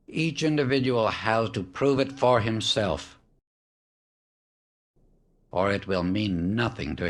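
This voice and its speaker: Low-pitched man narrating solemnly. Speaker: audiobook narrator. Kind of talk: scripted spiritual audiobook narration.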